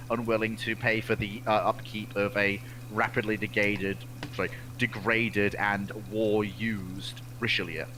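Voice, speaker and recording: A man in a casual history discussion, giving opinions in a halting way and repeating phrases as he reasons. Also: on the low side, noisy background. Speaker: co-host or guest on naval history chat.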